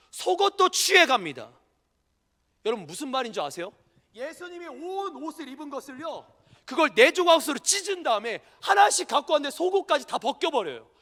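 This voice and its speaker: A male pastor preaching an impassioned sermon to a youth congregation, swinging from hushed asides to shouted peaks and asking the listeners frequent questions. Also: very high-pitched. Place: church hall during a youth service. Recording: echoey church hall with long reverb.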